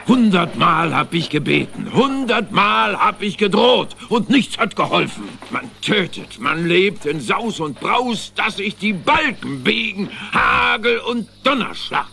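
A man's voice: sits high, very animated, unhurried, gravelly, few pauses, pushed and bright, slight background noise, heavily acted. A man acting an impatient, pompous God in a children's cartoon film, scolding in old-fashioned phrases yet fond. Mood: exasperated.

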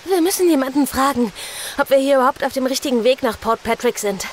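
A woman's voice: high-pitched, fast talker, a little hiss or hum, close to an everyday voice. An actress playing a plucky, practical young girl in a horror audio drama, talking in a matter-of-fact way. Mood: eager, uncertain.

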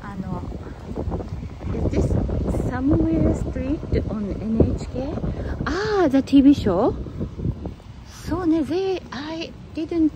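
A woman whose first language is Japanese chats her way through a windy street walk on a live stream. She talks slowly in a slightly high voice and moves between simple English and Japanese. Loud wind and traffic noise press on the phone mic. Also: lively intonation. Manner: mixes English and Japanese, reads viewer chat. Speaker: live-stream walking host. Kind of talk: casual live-stream chat. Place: city streets outdoors, windy.

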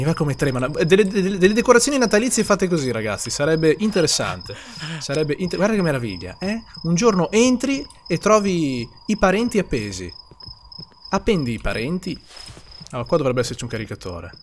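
A man's voice: fairly high pitch, a bit bright, slight background noise. A young man streams a horror game, jittery and swearing as he talks to chat. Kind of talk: horror game let's play.

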